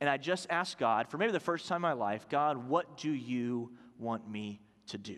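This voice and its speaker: Over a very clean recording with a silent background, a man speaks at a moderate pace and medium pitch with lively intonation. He has an ordinary speaking voice. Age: 30s. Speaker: student minister. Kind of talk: sermon.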